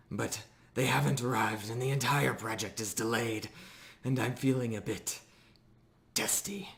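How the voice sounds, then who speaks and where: A man's voice: mid-range voice, vocal fry, fairly bright tone, pitched above the performer's own voice. A man voicing a testy undead miner from a tabletop fantasy game, exasperated and formal in an old-fashioned way. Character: testy, mannered undead miner in construction hat.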